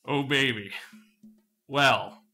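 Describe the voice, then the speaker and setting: A man's voice: mid-range voice, extremely slow, sharp tone, soft background music, exaggerated voice. An actor playing a wry, slightly awkward male detective in a sci-fi radio drama, dry and hesitant.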